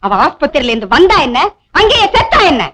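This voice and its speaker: An actress playing a harsh, bullying stepmother in a 1980s film melodrama, scolding in a shrill, sneering voice. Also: wildly swooping pitch, brisk, a bit bright, full character voice. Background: film score music.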